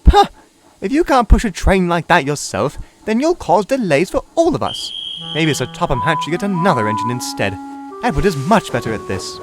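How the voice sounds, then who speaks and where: A man's voice: a little high, very animated, normal speed, faint music behind, pitched above the performer's own voice. A man voicing a rude, proud male engine who speaks in a scornful, blustering way.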